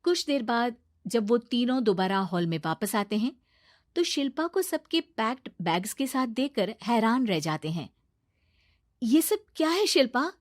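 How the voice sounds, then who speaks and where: Steady female story narrator. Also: on the high side, normal speed, no echo, clean studio sound.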